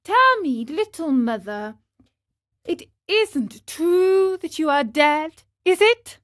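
A woman reading an audiobook, voicing an eager, mischievous wooden puppet boy who talks in a high, pleading way. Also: expressive, slow pace, a bit bright, heavily acted.

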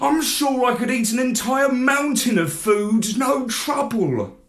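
A man voicing an eager, excitable male puppy who pleads and begs in a storybook reading. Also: high voice, takes it slowly, pitched above the performer's own voice, heavily acted. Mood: pleading.

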